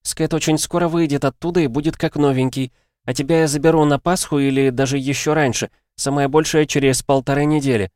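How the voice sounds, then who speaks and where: A tense, determined mother who keeps her voice measured and restrained, lifted a little above a man's usual range, as a male reader voices her. Her words sound close and dry. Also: a little high, fairly even intonation, darkish tone, no echo, pitched above the performer's own voice, close to an everyday voice. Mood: soothing.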